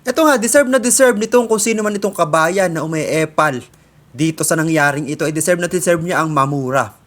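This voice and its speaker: A man from the Philippines hosting opinion commentary, speaking in a measured way with frequent filler sounds. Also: fairly high pitch, fairly bright tone. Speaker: commentary host.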